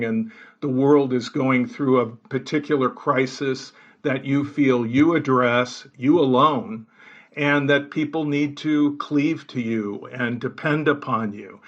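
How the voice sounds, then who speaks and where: A man on a talk show panel presses his case through deliberate questions and frequent restarts. His voice is mid-pitched. The recording is dull and lo-fi. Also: a bit bright. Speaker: panel guest, critic.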